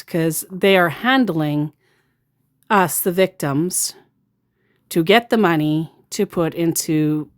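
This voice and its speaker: A woman's voice: on the low side, clear, resonant tone. A woman who baits scammers, narrating a casual vlog with a sarcastic, mocking manner. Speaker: scam baiter.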